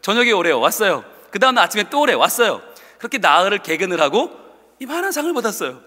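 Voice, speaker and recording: A male pastor telling a story in a sermon, animated, acting out the voices of the people in it, in a church sanctuary. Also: high-pitched, fast talker, big-room sound. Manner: animated, acts out quotes.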